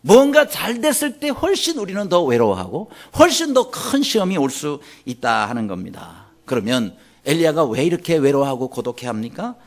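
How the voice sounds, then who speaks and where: Male pastor preaching, high lively voice, asks the congregation questions. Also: moderate pace. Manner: acts out anguished quoted pleas in a raised voice. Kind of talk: sermon.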